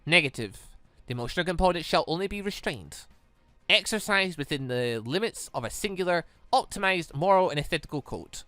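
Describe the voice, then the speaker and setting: A man voicing a cold, logical female android from a visual novel game with formal, clipped, deliberate delivery. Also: on the high side, lively intonation, bright, forceful tone, dry recording, faint music behind. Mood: cold, pragmatic.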